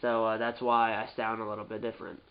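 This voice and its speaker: A man's voice: on the low side, completely flat delivery, fast, vocal fry, clean tone, muffled recording. A man with a stuffed-up nose from a cold, giving casual, rambling gameplay commentary and often repeating and correcting himself. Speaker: gaming YouTuber.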